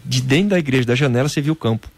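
Soft music plays behind a former footballer from Brazil as he races through a personal story of faith in a casual interview. His voice is mid-range, and he's animated, saying "cara" frequently.

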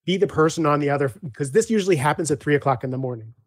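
A man speaking as a guest coach in a casual interview, animated, acting out back-and-forth dialogues with clients. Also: on the high side, very fast, dry recording, studio quality.

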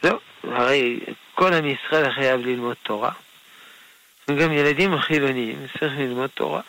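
A man, a rabbi, answering listener questions on a radio call-in show in a gentle, unhurried way. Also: mid-range voice, poor audio. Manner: gentle, unhurried, explains patiently with soft laughs.

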